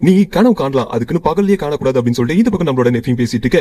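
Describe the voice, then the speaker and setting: Ordinary pitch variation in a man's voice of dark, mellow tone. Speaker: anime story narrator. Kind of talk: casual storytelling recap.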